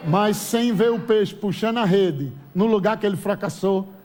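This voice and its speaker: A man with a Brazilian Portuguese accent preaching a lively, humorous sermon at a church conference. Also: high-pitched, normal speed. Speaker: pastor.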